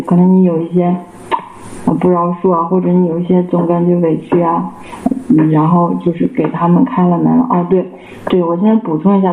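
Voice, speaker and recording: A man giving a personal church testimony, halting and repeating himself with many fillers. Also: high voice, narrow, tinny audio. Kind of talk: casual spoken personal testimony. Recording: roomy with faint background noise.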